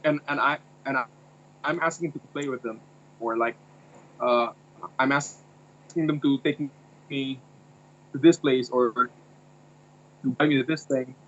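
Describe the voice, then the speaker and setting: In a casual chat, a young university student from Indonesia gropes for words and talks hesitantly. He has a mid-range, steady voice, speaking a little slowly with long pauses, and the audio is dull and lo-fi.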